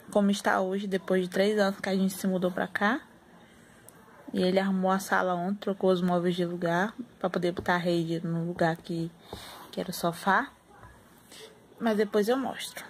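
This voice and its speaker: A woman, chatting softly to camera in a casual home vlog. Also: mid-range voice, a little hiss or hum. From Brazil. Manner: soft, chatty, sliding into baby talk. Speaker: vlogger mother. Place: apartment at home.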